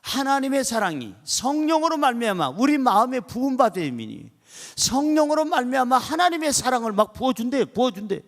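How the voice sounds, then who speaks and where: A man's voice: very high voice, sing-song, a little fast. A male pastor preaching a sermon in a church, with emphatic, repetitive affirmations. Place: church sanctuary. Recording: long reverb from a church hall.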